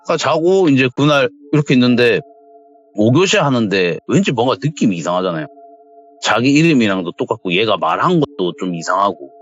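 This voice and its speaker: A man's voice: medium pitch, lively intonation, brisk. A man hosting a horror story radio show, retelling a listener's ghost story and acting out the quoted dialogue. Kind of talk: storytelling narration. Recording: dull lo-fi recording.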